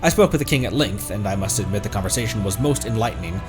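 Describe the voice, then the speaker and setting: A man's voice: lowish voice, animated, fast, music in the background. A man streaming a video game, reading its text aloud with asides and stumbling over long words.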